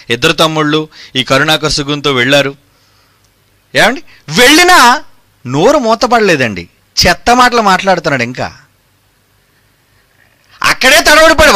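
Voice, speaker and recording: A man's voice: high-pitched, bright, forceful tone. A man preaching a fiery sermon, combative and mocking, firing rhetorical questions.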